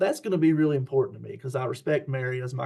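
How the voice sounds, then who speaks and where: A man's somewhat breathy, fairly high voice with an Appalachian accent and ordinary pitch variation. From southern West Virginia, McDowell County (Appalachia). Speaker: social work professor. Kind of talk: workshop lecture. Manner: fast.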